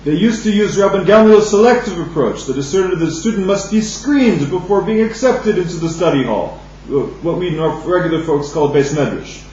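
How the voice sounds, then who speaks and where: With a high-sitting, darkish voice and lively intonation, a Talmud teacher works through a daily study lesson, haltingly restarting phrases as he reads Aramaic and explains it in English. He sounds far from a dull lo-fi mic in a very echoey room, with a faint hum present.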